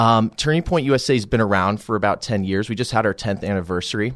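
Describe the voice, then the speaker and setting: This man has an unremarkable speaking voice, medium in pitch, with a General American accent and ordinary pitch variation. He talks at a fairly quick pace against a quiet background. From Colorado. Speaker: faith-politics organization representative. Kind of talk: interview.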